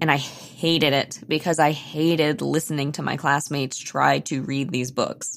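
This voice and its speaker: Speaking at a moderate pace with hardly any pauses, a woman uses a very deep, low voice with vocal fry and monotone, flat intonation. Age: 30s. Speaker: podcast co-host discussing books. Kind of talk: casual chat.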